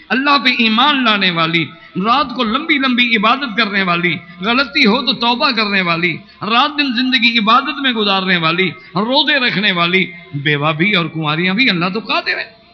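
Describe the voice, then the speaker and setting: A man's voice: high voice, expressive. A man preaching a sermon, telling a story at length and reciting verses in a chanting lilt. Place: mosque hall. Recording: muffled recording with long hall reverb.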